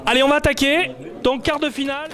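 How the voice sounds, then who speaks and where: A man with a high-pitched voice runs a football cup draw. He talks casually and loosely, padding his sentences with fillers and small hesitations. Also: fairly even intonation, fast talker, pushed and bright. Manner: chatty, hesitant, many fillers. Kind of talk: casual live announcing.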